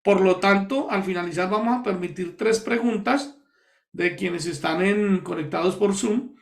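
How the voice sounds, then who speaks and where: High-voiced man teaching scripture. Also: gravelly. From Colombia. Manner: explanatory, repeats key words slowly, addresses listeners directly. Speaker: pastor. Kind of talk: Bible study teaching.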